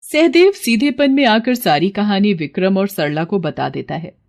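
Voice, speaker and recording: Woman narrating a kids cartoon story, calm steady voice, medium pitch. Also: normal speed. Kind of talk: scripted narration.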